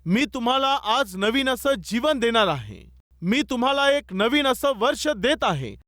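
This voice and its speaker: A man's voice: very high-pitched, sing-song, unhurried, fairly bright tone, no room sound, clean studio sound. A male pastor preaching a sermon, urging listeners with repeated calls and rhetorical questions. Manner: repetitive exhortation with rhetorical questions.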